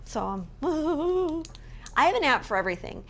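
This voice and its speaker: A woman's voice: high-pitched, big pitch swings, normal speed, a bit bright. A woman co-hosting a casual talk show, chatty and self-mocking as she tells stories. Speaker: co-host. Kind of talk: casual chat. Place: hotel room.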